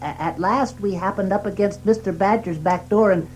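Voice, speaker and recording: A performer playing a polite, nervous young hedgehog boy in a children's audio story, halting and deferential. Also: medium pitch, a little mellow, soft background music, lightly acted, rough recording. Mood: humble, nervous. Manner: halting, deferential, rustic grammar.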